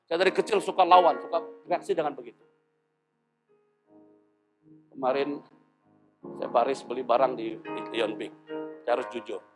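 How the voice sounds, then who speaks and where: A man's voice: mid-range voice, moderate pace, long pauses, faint music behind. A pastor in his fifties preaching a sermon, telling stories and acting out the voices in them. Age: 50s. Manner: animated storytelling, acting out dialogue.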